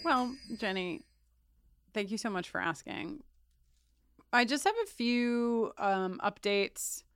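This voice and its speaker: A woman's voice: mid-range voice, slow, a bit bright, faint music behind. A woman co-hosting a podcast, chatting casually and playfully, often laughing. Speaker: podcast co-host. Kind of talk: casual chat.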